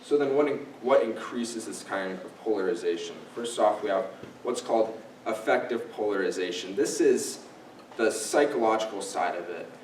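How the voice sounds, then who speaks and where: A man's voice: lowish voice, animated, moderate pace, darkish tone. A young man in his late teens giving a casual, explanatory talk as a guest speaker, using fillers and signposting his points. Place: library event room. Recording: echoey room, distant mic, faint noise.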